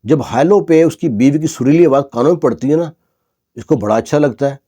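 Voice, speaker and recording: Mellow-voiced male storyteller. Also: on the high side. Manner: conversational, uses "na" for emphasis. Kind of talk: dramatic storytelling narration.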